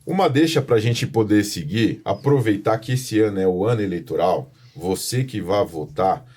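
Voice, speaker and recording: A man's voice: on the low side, warm tone, breathy edge. A man with a São Paulo Brazilian accent presenting a podcast conversationally, speaking informally to viewers and often repeating himself. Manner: informal, repetitive, addresses viewers directly. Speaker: podcast host, professional condominium manager.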